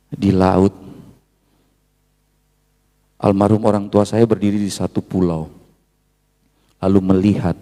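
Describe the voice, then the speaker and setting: A male pastor preaching a sermon, dropping from low murmurs to loud high shouts and slipping into asides. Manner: mixes Indonesian with Javanese asides. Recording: long hall reverb.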